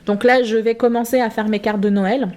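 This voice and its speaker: A woman's voice: a little high, fairly even intonation, fairly quick, warm tone. Chatty woman, hesitant rambling vlog. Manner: self-mocking. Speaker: craft vlogger. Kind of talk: casual chat to camera. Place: home craft room. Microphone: built-in camera mic.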